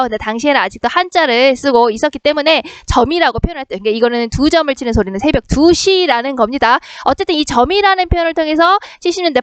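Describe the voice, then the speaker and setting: Young female teacher, high voice, fast delivery, dry close mic, quizzing students as she works through worksheet answers. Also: no room sound. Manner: brisk, question-and-answer teaching rhythm, frequent "자" prompts. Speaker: middle school Korean literature teacher. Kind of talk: recorded lesson explaining a worksheet.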